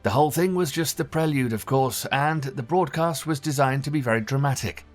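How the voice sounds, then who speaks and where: A man reading a scripted documentary narration in a measured, even storytelling manner. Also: mid-range voice. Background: faint background music.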